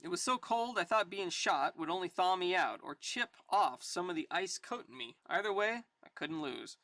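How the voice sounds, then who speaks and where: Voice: mid-range voice, animated, normal speed, fairly bright tone, no room sound. A person reading aloud a tough, weary army sergeant from a war comic in dramatic style. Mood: tough, wry. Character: tough weary army sergeant, gruff battle-hardened narrator.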